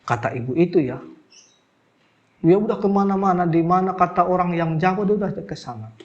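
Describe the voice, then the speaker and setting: Middle-aged male healer, interview storytelling; lively quoted voices, sinks low and soft when recalling hardship. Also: brisk, highs cut off. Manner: animated, acts out quoted voices, voice drops when recalling crying. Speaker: alternative healer. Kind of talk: emotional personal storytelling.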